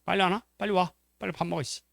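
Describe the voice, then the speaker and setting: A man acting out a nagging, angry housewife scolding her family to come to dinner, shrill and grumbling with curses. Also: steady tone, rapid-fire, vocal fry, a bit bright, no room sound, clean studio sound.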